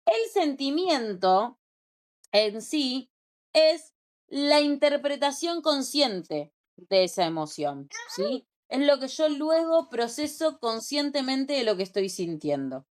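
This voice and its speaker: A young woman with an Argentine Spanish accent teaches an informal class. Her voice sits a little high, and she keeps it conversational, often tossing in quick check-in questions to her listeners. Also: sing-song.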